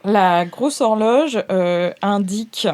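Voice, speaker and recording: A woman's voice: medium pitch, animated, slow, darkish tone, clean tone. A woman narrating an improvised tabletop game as game master, in an informal, descriptive and hesitant way.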